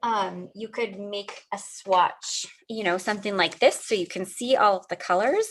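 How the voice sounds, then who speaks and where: A woman's voice: mid-range voice, normal speed, a little hiss or hum. A middle-aged woman hosting a live card-making demo, friendly and chatty, a little sniffly, answering viewers as she works. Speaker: craft livestream host.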